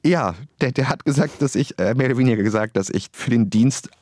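A man's voice: mid-range voice, fairly quick, a little mellow, dry recording. Stuttering man in a dry interview. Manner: stutters, repeats words and restarts. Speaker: interview guest, writer. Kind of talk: reflective conversational interview.

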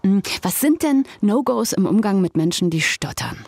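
An interviewer asking measured, attentive questions. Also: mid-range voice, expressive, gravelly, darkish tone, no room sound. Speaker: interview host.

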